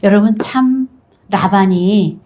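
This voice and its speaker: A woman pastor preaching a sermon with animated storytelling, acting out the figures as she retells the story. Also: medium pitch, slow pace.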